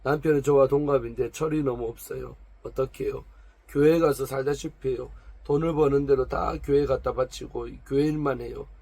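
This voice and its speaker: A man's voice: medium pitch, fairly even intonation, fairly quick, creaky, darkish tone, dry recording. A man reading aloud the lines of a proud, complaining woman of 45 from a noble family. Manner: complaining, defensive, pleading.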